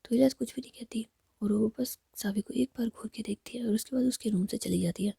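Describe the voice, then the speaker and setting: A woman's voice: fairly high pitch, fairly quick, gravelly, breathy edge, dry recording, clean studio sound. Whispering young woman telling a story. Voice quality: whispering throughout. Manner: hushed, chatty, mixes English words. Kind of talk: whispered retelling of a romance drama.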